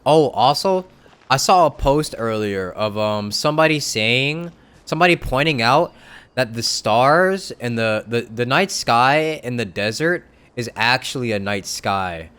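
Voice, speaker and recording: A man's voice: medium pitch, expressive, unhurried, fairly bright tone, clean tone. A young man giving casual, informal live commentary as he streams a game, reacting aloud.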